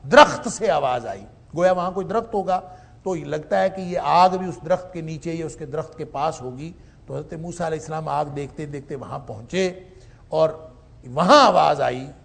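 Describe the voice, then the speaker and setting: Male lecturer, gravelly and a bit high, recites verses slowly, then explains with force. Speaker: professor teaching Quran commentary. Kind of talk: Quran exegesis lecture.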